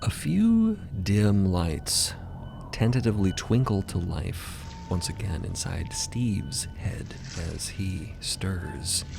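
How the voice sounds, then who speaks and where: A man delivers intense, scripted narration for a fantasy audio drama. His voice is somewhat low and extremely animated, set over loud music. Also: takes it slowly, creaky. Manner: theatrical, intense.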